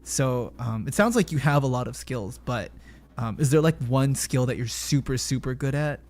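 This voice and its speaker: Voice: medium pitch, animated, normal speed, darkish tone. A streamer hosting a casual chat with a guest, chatty and encouraging, with many fillers and restarts. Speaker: streamer host.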